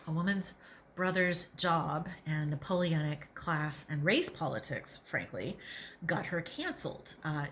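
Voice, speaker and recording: Bright-voiced woman, lower-pitched, opinionated. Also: slight background noise. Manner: opinionated, emphatic asides. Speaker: podcast host and reader. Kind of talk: reading an article aloud with off-the-cuff commentary.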